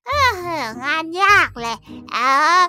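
A woman voicing an excitable young male friend who is easily baffled, in a children's radio drama. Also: takes it slowly, no echo. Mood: helpful. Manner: exclamatory, lively rustic speech. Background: background music.

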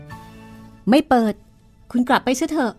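A woman's voice: slow, faint music behind, lightly acted. Woman reading as a proud, indignant young woman. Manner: sharp, refusing.

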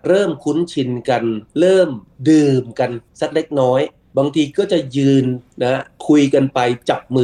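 A man's voice: mid-range voice, mellow. A middle-aged man, a guest expert on business culture, explaining customs patiently in an interview. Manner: patient, explanatory, frequent polite particles.

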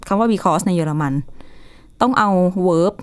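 A woman co-hosting a casual radio chat, explaining things in a chatty, animated way. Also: on the low side, measured pace. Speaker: co-host.

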